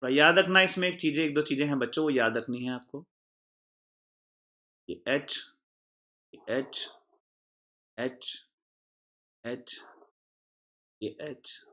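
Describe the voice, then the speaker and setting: A man's voice: mid-range voice, takes it slowly, pauses often. A man teaching an exam-prep chemistry class, repeating key points, quizzing the class and answering himself. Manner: calls the students "children" warmly.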